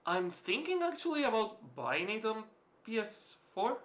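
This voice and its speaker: Gaming host, male, Spanish-influenced accent, bright edgy voice, loose swearing play-along chatter. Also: high-pitched, very animated, unhurried. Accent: mixed, Spanish-influenced. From Spain. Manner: rambling, swears freely, chuckles often. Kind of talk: casual let's-play commentary. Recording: roomy echo, faint hiss.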